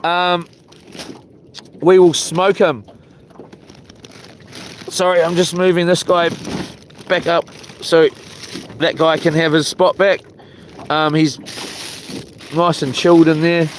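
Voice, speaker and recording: Kiwi guy with a highish voice rambling casually on a fishing livestream, clear boat and water noise round him. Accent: New Zealand. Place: outdoors on a small boat.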